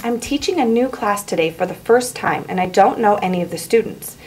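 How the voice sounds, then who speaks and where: A woman teacher giving clear, encouraging instruction, in the style of a lesson. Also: medium pitch, animated, fairly quick, a little mellow, soft background music. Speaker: English teacher. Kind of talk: instructional narration and classroom teaching. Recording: roomy echo, faint background noise.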